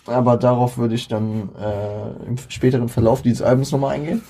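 A man co-hosting a casual music discussion in a hesitant, halting way, choosing his words carefully. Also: medium pitch, steady tone, mellow, slight background noise. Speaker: co-host of a German rap album review.

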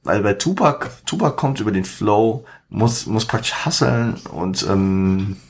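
A man's voice: fairly low pitch, expressive, measured pace. A man hosting a podcast, talking in casual commentary with many fillers and self-corrections and English slang mixed in. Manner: mixes English slang into speech. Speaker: podcast host.

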